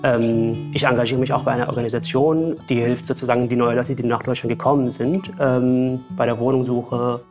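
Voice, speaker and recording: A man in his late twenties giving animated interview answers with fillers in a studio. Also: mid-range voice, fairly quick, hardly any pauses. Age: 20s. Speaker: scholarship holder. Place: studio against a blue backdrop. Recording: guitar music underneath.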